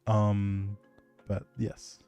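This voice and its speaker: Extremely slow and completely flat, a man's lowish voice sounds mellow, clear and resonant. He's hosting a casual gaming stream, chatting and replying to viewers in a rambling, hesitant style that keeps trailing off, with music playing behind him.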